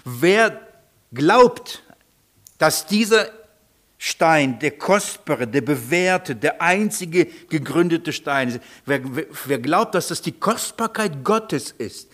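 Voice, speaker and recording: A man preaching a sermon, animated, asking the congregation questions and repeating sounds to imitate a foreign tongue. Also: on the high side, takes it slowly. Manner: animated, repeats nonsense syllables to mimic foreign speech.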